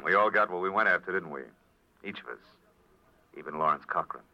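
A man playing a wry, world-weary private detective in a 1940s radio drama, speaking in terse, measured phrases. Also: low-pitched, vocal fry, very noisy. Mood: somber. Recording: muffled vintage radio recording, faint music.

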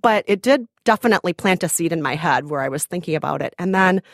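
Woman, Minnesota accent, enthusiastic podcast guest, lowish voice, close dry recording. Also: animated, fast talker, no echo. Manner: chatty and enthusiastic. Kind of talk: casual interview chat.

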